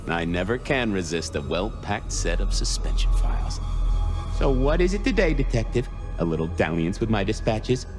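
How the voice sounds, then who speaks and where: A theatrical, flirtatious keeper of police files from a video game. The pitch swings wildly as every drawled line drips with gossip and innuendo. Loud music plays behind the voice. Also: male voice, very animated, moderate pace. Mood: teasing, flirtatious. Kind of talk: video game character acting.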